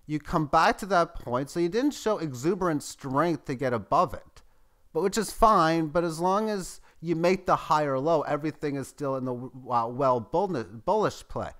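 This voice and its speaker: A man giving live, tick-by-tick commentary on a price chart as the host of his channel, growing excitable at key moments. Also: normal speed. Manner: running play-by-play, excitable at highs. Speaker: market chart analyst.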